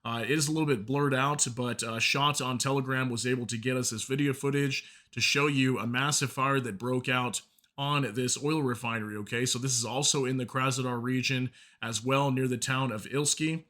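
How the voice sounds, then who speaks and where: A man with a mid-pitched, bright, forward voice hosts a casual news update. He sounds slightly hoarse from a sore throat. He talks to viewers informally and apologizes when he stumbles over hard names. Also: fairly even intonation, normal speed. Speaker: news channel host. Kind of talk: casual war news briefing.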